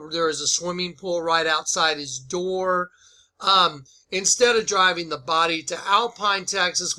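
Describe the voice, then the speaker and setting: A man's voice: on the high side, sharp tone. A man hosting informal opinionated commentary, speaking in an emphatic, repetitive, accusatory way. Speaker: video host and commentator.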